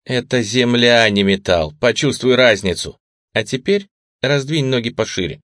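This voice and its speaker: A man's voice: mid-range voice, lively intonation, normal speed, a bit bright, dry recording, studio quality, lightly acted. A man reading an audiobook and voicing a hard, sarcastic female agent who gives orders in a cold, mocking tone. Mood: commanding.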